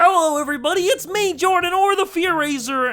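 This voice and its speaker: Someone rattles along at a fairly quick pace in a put-on character voice with extremely high pitch. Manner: playful.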